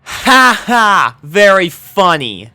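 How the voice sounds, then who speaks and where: A man voicing a cocky, dramatic, competitive tomboy schoolgirl with a forceful delivery in a story reading. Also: high voice, big pitch swings, drawn-out words, clear, resonant tone, pitched above the performer's own voice, heavily acted. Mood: irritated.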